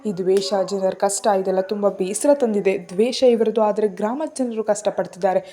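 A tearful, worried young woman in a storybook reading, voiced by a woman. She speaks sadly in a soft, mellow voice. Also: medium pitch, steady tone, normal speed, natural voice. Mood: sorrowful. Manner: sad, worried.

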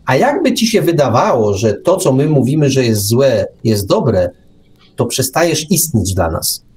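A man's voice: mid-range voice, a little mellow, a little hiss or hum. A man co-hosting a talk show, giving an opinionated, sarcastic monologue with emphatic rhetorical questions and repeated words. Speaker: radio show co-host and commentator.

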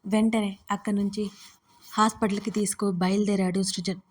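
Mellow, even-toned woman storyteller. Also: mid-range voice, normal speed. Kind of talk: scripted narration of a romance audio story.

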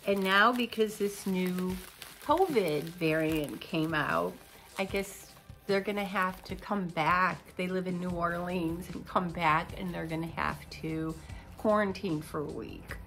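An older woman in her sixties talks to the camera from her living room, her voice a bit nasal from a cold. She rambles at an unhurried pace with plenty of ums. Soft music sits faintly behind her. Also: fairly low pitch. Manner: chatty, rambling with fillers, seated talking to camera. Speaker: unboxing vlogger. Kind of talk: casual chatty unboxing. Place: living room at home, indoors.

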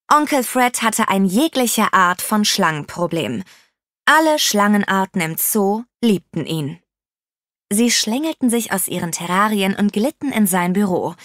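A woman narrating a children's audiobook with lively, playful storytelling. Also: medium pitch, no room sound, clean studio sound.

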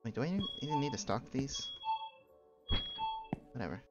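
A man's voice: mid-range voice, expressive, moderate pace, lo-fi sound. A man giving casual livestream commentary as he plays a game, muttering short reactions. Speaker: livestreamer playing a horror game. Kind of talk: casual gaming stream commentary. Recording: music behind the voice.

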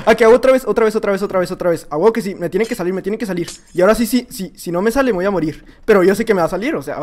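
A young man with a Mexican accent commenting on his own gameplay, excitable and prone to shouts and laughter, muttering to himself between bursts. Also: sits high. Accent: Mexican Spanish. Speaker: gaming YouTuber. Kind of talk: live Minecraft gameplay commentary.

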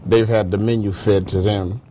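A man's voice: on the low side, flat delivery, normal speed, warm tone, slight background noise, rough recording. A man conducting a casual interview, listening attentively and putting in short questions and acknowledgements. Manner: attentive, frequent brief acknowledgements.

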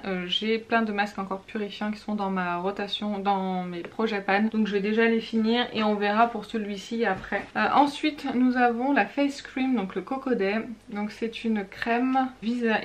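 A woman vlogger in a casual product haul, chatting with hesitant fillers and reading product labels aloud, indoors at home. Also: mid-range voice. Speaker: beauty vlogger.

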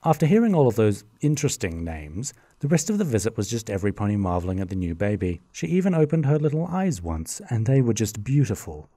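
A man narrating a fan radio drama in a plain, steady storybook manner. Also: lowish voice, fast, few pauses, no echo, clean studio sound.

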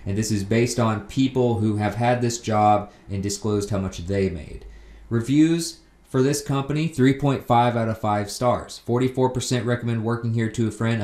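Low-voiced man, roomy echo. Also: a little mellow. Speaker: online job tips video host. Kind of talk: casual explanatory screen-share narration.

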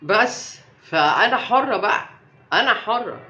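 A woman's voice: mid-range voice, expressive, a little slow, bright, forceful tone, roomy sound, lo-fi sound. A young Egyptian woman vlogging live about health, speaking emphatically and defiantly and piling up rhetorical questions. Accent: Egyptian Arabic. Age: young adult. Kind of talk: casual live-stream talk.

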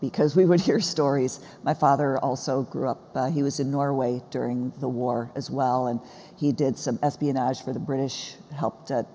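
A woman in her sixties, born in Sweden and raised in the US, with Swedish as her first language, talking in a seated interview on a church stage, warm and often laughing. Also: very deep voice, steady tone, moderate pace. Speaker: guest, seminary professor. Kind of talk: conversational interview. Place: church stage, large hall. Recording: reverberant hall, faint noise.

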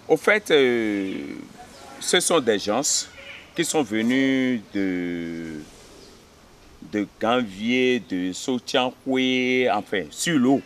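A man in his fifties speaks slowly and deliberately, filling pauses as he recounts local history. He often checks that his listener follows. The sound is recorded outdoors, with a faint hum of ambient noise behind him. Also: mid-range voice, animated. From Benin. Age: 50s. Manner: unhurried, hesitant fillers, checks understanding often. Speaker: history teacher. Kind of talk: interview, telling local history. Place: outdoors in a village yard. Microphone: camera at close range.

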